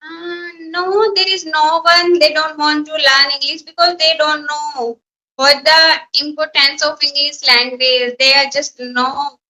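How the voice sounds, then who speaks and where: A woman teacher from a small village with an Indian accent, speaking English as a learner, her first language Hindi, pausing to search for words. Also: high voice, little pitch movement, sharp tone, poor audio. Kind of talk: English practice conversation.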